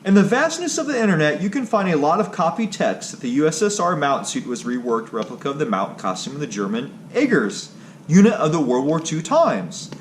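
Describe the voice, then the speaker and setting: Male history narrator, slightly high register, animated intonation, halting read, faint background noise. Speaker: video creator and narrator. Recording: clearly noisy background ambience.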